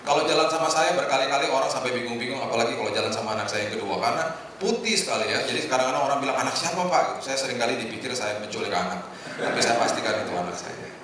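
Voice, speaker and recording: A middle-aged man preaching informally to a congregation in a conversational, joking way, with hesitant pauses. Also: mid-range voice, expressive. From Indonesia. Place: large echoing indoor hotel hall. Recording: echoey hall, distant mic, noisy room.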